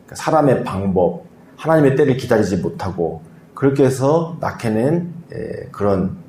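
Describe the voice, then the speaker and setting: A man preaching a sermon, speaking conversationally and often asking his listeners questions. His voice is warm and mellow. It rings through a reverberant room with a faint hum of ambience behind it. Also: mid-range voice, sing-song, moderate pace. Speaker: pastor.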